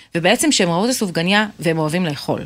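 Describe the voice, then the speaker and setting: Heard in a very clean recording with a silent background, a woman with an ordinary speaking voice talks at a fairly low pitch with lively intonation. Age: 40s. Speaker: company CEO. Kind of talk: interview.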